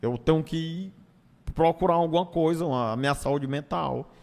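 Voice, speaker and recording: A man's voice: fairly high pitch, moderate pace, gravelly, darkish tone. Northeastern Brazilian man, reverberant room. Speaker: stand-up comedian, interview guest. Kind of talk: casual conversational storytelling. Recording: long hall-like reverb.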